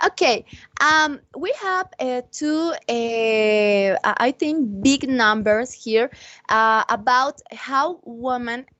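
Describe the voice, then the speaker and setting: A woman speaks at a very slow pace in a Spanish accent. Her pitch is high, with ordinary variation. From Bolivia. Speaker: student ambassador. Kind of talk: conference presentation. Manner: halting, many fillers.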